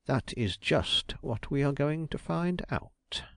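A shrewd detective draws out his questions slowly and suavely, as a man reads him, every word deliberate and courteous. The voice sits in a middle range and is recorded close and dry, like a storybook character. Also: fairly high pitch, expressive, creaky, no echo, voice pushed up, heavily acted. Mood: brisk.

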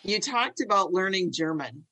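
A woman's voice: medium pitch, animated, normal speed, sharp tone, low-quality recording. A middle-aged woman in a casual conversation, friendly and guiding it with questions. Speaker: host mother, interviewer.

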